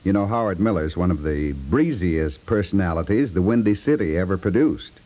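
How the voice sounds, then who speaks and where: A man's voice: low voice, expressive, brisk, warm tone. A man with an American accent reading scripted promos and credits as a 1950s network radio announcer. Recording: vintage 1950s radio recording.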